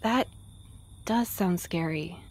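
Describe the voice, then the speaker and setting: A woman's voice: on the low side, slightly rough. A woman acting in a fiction podcast as a caring, romantic courier who speaks expressively and banters playfully. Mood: concerned. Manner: expressive, solicitous, quick to banter.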